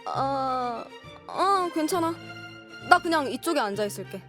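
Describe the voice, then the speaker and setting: A woman's voice: high-pitched, expressive, a little slow, music in the background. A woman playing a blunt, restless, bookish tomboy girl in an audio drama, with informal, grumbling delivery. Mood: hesitant. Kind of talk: Korean audio drama acting.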